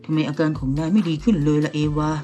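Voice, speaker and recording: A woman voicing a petulant, sly young man who sulks and teases, in her lowish voice over faint music. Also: fast talker, close to an everyday voice. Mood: teasing. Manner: sulky, sarcastic and teasing.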